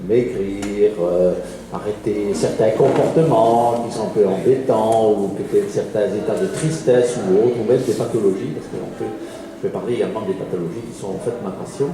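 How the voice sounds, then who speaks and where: A man's voice: lowish voice, moderate pace, crowd noise. A man in his fifties with a Liège Belgian accent, giving a public lecture in a hesitant way, with many fillers and small chuckles between points. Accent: Liège Belgian French. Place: large lecture hall. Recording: echoey hall with long reverb.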